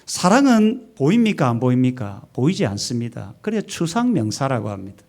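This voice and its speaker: A male pastor delivers an emphatic Sunday sermon in a church sanctuary. His voice is mellow and sits at an ordinary pitch for a man. He keeps asking rhetorical questions and has the congregation repeat his words back to him. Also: very animated, moderate pace. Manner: emphatic preaching with rhetorical questions and call-and-response.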